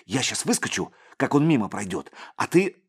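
A man voicing an excitable young sergeant. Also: medium pitch, moderate pace, creaky, breathy edge, pitched above the performer's own voice, full character voice. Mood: eager. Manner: pleading, excitable, whiny. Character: young eager male police sergeant.

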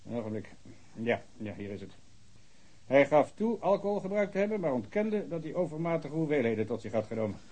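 An actor playing a long-winded, pedantic police officer in a radio drama. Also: male voice, a little high, sing-song, a little fast, warm tone, poor audio. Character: fussy male police officer reading a report.

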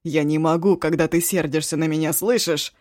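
A woman voicing a sly, clownish young man who pleads loudly and theatrically. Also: deep voice, fairly even intonation, moderate pace, no room sound, studio quality. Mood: loud pleading. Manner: wheedling, loud and theatrical.

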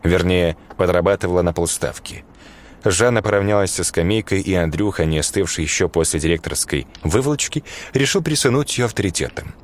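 A man's voice: low voice, lively intonation, brisk. A man reading a first-person horror story aloud in a dry, sardonic, slangy way. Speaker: audiobook narrator.

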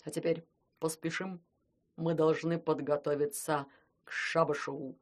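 A man's voice: on the high side, flat delivery, a little slow, close to an everyday voice. A man voicing a greedy, cowardly immortal sorcerer who grumbles and threatens. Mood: scheming. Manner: grumbling, menacing.

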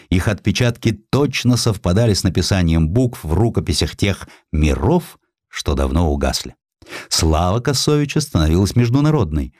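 A male audiobook narrator tells history in a theatrical, measured way. His voice sits on the low side and moves with lively, varied intonation. The sound is dry, with no room on it. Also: dry recording. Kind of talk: expressive scripted historical narration.

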